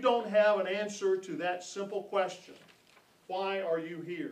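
In a room with audible echo, a man with a high-pitched voice talks at a moderate pace with fairly even intonation. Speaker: minister. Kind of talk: prepared speech from a script. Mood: earnest, persuasive. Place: meeting room. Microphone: handheld.

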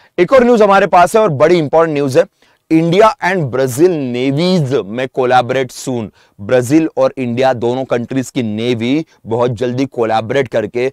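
Against a quiet background with a dry sound and no echo, a man speaks very slowly with lively intonation. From India. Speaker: online exam-prep teacher. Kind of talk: live online lecture.

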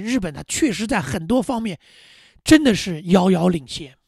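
A man with a high pitch speaks in very wide pitch swings against a quiet background. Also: dry sound with no echo. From China, Nanjing; China. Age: 40s. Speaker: YouTuber social commentator. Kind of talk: video monologue commentary. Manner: repetitive, emphatic. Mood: earnest, persuasive. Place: home room. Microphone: studio mic.

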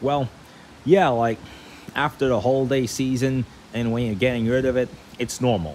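Light background noise behind a male voice. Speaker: daily vlogger. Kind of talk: casual vlog chat. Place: street. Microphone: phone near.

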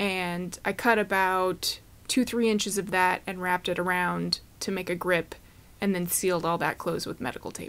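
Mumbling at a moderate pace, a woman keeps a medium pitch and fairly even intonation. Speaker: vlogger. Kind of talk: casual vlog talk to camera.

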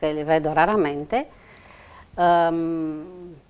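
The speaker is a woman. Her pitch is fairly low. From Romania. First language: Romanian (speaking Italian). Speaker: nurse; interview guest. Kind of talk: TV interview; interview answer. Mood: reflective, slightly wistful. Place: studio. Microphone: lapel.

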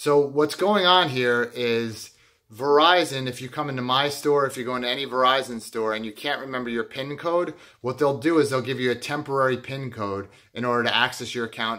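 A man talks at a fairly quick pace with a bright, sharp tone. His intonation is fairly even, and the background is quiet. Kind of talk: casual vlog chat. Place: home room. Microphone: phone near.

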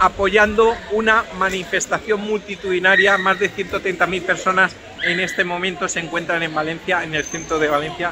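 A man's raised, projected voice at a moderate pace, with ordinary pitch variation and crowd noise in the background. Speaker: travel vlogger. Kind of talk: casual vlog chat. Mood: earnest, supportive. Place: street. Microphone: phone near.

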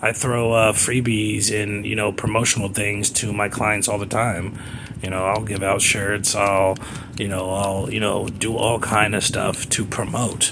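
Against noticeable background noise, a man with a fairly low pitch speaks fairly slowly in a monotone, flat intonation. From California. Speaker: headlight restoration professional / YouTuber. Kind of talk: casual tutorial monologue. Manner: halting, many fillers.

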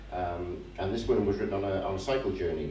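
Recorded with audible room echo and light background noise, a man is speaking. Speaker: poet. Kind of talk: poetry reading with spoken introduction. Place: cafe. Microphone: handheld.

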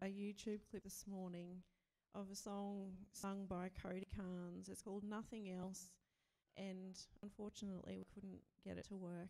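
Her tone dark and mellow, a woman speaks in a flat monotone at a moderate pace. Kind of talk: short talk then reading song lyrics aloud. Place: church. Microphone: podium.

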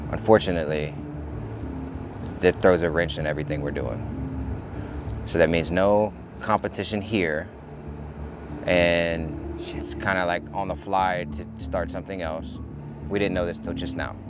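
With long, frequent pauses, a man with a very deep, low voice talks at a moderate pace and with ordinary pitch variation, the sound dry with no echo and noticeable background noise behind him. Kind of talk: casual vlog chat. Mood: serious, briefing. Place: waterside.

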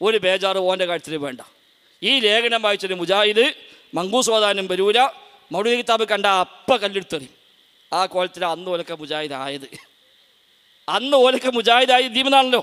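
A man's high, bright, sharp voice with lively intonation. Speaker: Islamic preacher. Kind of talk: religious debate talk.

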